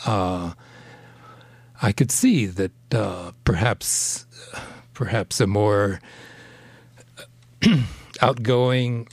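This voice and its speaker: Hesitant man, slow and husky, low voice, pauses often to find words. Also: a little mellow, no echo. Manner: hesitant, many ums, clears throat. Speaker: translator. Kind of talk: radio interview.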